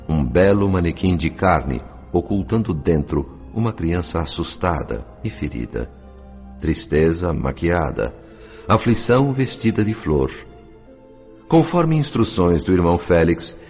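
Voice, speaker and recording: A Brazilian actor playing a humble, compassionate spirit who narrates a dramatised audiobook in an earnest, literary and expressive manner. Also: male voice, low-pitched. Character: André, compassionate male spirit narrator, humble, devoted helper. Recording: dull lo-fi sound with music. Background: background music.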